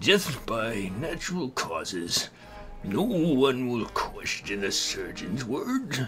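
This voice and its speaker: Over clear background music, a man puts on a character voice and speaks at a very slow pace. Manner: gloating, sneering.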